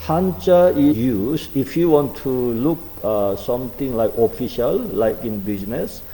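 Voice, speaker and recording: Slow, dark-voiced man teaching a class. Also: medium pitch, animated, long reverb tail, rough recording. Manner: slow, halting, many fillers. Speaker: Korean language teacher. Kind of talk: online class lecture.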